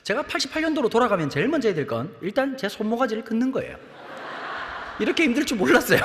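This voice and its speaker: Fast, animated male pastor preaching. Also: high-pitched. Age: 50s. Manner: humorous, animated storytelling. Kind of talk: sermon. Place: church sanctuary. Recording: long church-hall reverb.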